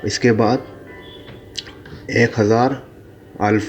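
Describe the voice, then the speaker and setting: A man teaching a slow, repetitive lesson, saying each number again and again and correcting mistakes in the book. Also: lowish voice, flat delivery, soft background music. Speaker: Arabic teacher.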